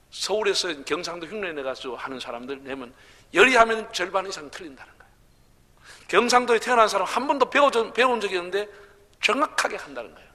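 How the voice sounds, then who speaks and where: A man's voice: sits high, pushed and bright. A man preaching at a revival meeting with a Gyeongsang accent, chatty and humorous, joking with the congregation. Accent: Gyeongsang Korean. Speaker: pastor. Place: large church sanctuary. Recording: reverberant church hall.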